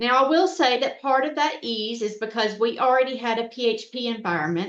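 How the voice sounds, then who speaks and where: Her pitch is fairly high, and this woman speaks with an American accent and ordinary pitch variation. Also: quiet background. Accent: Southern drawl, grows stronger as she talks. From US South. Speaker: programmer. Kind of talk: conference presentation; scripted recorded presentation.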